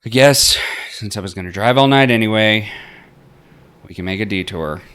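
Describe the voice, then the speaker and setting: A man voicing a wry, teasing but soft-hearted young woman in visual novel dialogue, talking casually. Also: on the low side, normal speed, clean tone, voice pushed up, lightly acted. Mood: generous, teasing.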